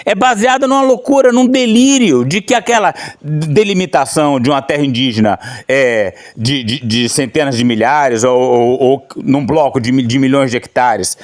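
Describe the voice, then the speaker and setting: Indignant Brazilian man, lively pitch. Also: dry recording, clean studio sound. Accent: Brazilian Portuguese. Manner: indignant, with many restarts and tag questions. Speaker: channel host commenting on a newspaper article. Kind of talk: opinionated video commentary.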